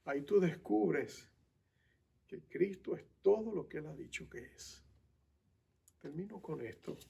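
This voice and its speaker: A male pastor preaching a sermon, talking straight to the listener and swinging from loud urgency to soft, intimate tones. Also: a little high, animated, measured pace, vocal fry, breathy edge. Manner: speaks directly to listener as "tú".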